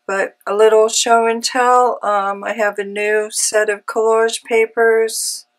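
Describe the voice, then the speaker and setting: A woman with a cold hosting a casual craft tutorial, chatty and unhurried, with frequent ums. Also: fairly high pitch, level tone. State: has a cold. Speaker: craft channel host. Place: home craft room.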